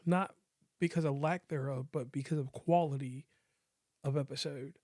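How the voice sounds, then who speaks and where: A man's voice: on the high side, steady tone, moderate pace, darkish tone, no room sound, clean studio sound. An American man hosting a movie review podcast in casual, slangy chat, rambling and joking as he goes. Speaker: podcast host.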